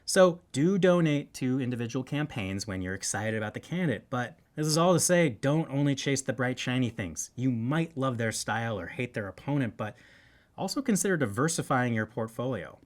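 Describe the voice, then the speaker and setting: A man's voice: mid-range voice, lively intonation, normal speed. A man hosting a satirical news show, delivering scripted political commentary in a wry, tongue-in-cheek way.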